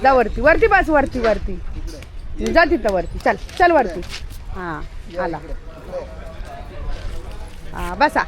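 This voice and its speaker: A woman's voice: on the high side, sing-song, slow, long pauses. A woman vlogging outdoors, coaxing and scolding her pet dogs in casual, chatty talk. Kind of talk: casual talk to pets and neighbors.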